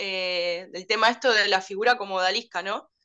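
A woman talks in a bright, sharp tone. The background is quiet. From Argentina. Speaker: belly dancer, audience participant. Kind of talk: audience question. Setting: video call. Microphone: video call.

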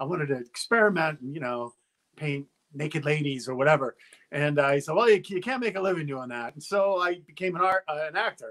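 Fairly high-pitched, a man speaks at a fairly quick pace with lively intonation. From Rhode Island, US. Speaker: actor and painter; actor. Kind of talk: casual interview chat. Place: home room. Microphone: video call.

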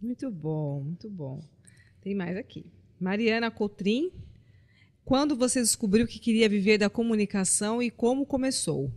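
A woman's fairly high, lively voice at a fairly slow pace, with long, frequent pauses and big swings in loudness over a quiet background. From Brazil. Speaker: podcast co-host. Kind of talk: casual chat. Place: studio. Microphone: studio mic.

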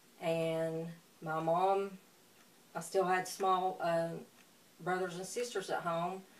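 This woman has an Appalachian accent and a fairly low pitch. She speaks at a very slow pace in a monotone, flat intonation. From West Virginia. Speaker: flood survivor. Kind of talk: interview.

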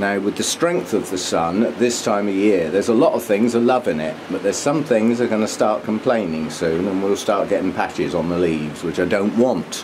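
A man's fairly low voice at a fairly quick pace, hardly any pauses, over noticeable background noise. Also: ordinary pitch variation. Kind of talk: casual vlog chat. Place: garden.

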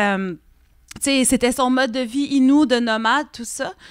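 A high-pitched woman's voice, dry with no echo, against a quiet background. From Quebec City, Quebec; Quebec. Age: 30s. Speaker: novelist and French teacher; French teacher. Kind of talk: public interview. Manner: hesitant, many fillers. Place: hall. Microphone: podium.

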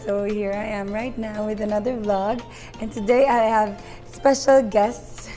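A woman's fairly high, monotone voice with flat intonation at a fairly slow pace, with music in the background. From Philippines, Bacolod. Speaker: vlogger. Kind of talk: casual talk to camera.

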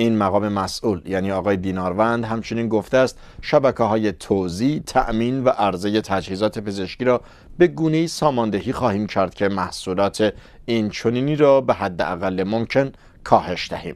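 A man speaks with a fairly low pitch and ordinary pitch variation at a moderate pace. The sound is dry with no echo. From Iran. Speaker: news presenter. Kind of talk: news reading. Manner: formal. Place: studio. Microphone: lapel.

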